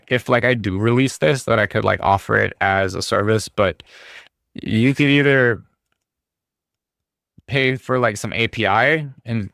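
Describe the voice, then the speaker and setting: A man talking casually on a livestream, rambling with lots of fillers, his voice going hoarse as he gets over being sick. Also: medium pitch, a bit bright, no room sound, studio quality. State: hoarse, recovering from illness. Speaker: streamer.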